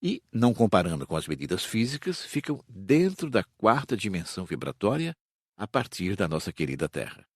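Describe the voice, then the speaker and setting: A low, husky male voice reads an audiobook with measured pacing and a lively rise and fall. The recording is dry and close, with almost no room sound. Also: no echo. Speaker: audiobook narrator. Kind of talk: scripted audiobook reading.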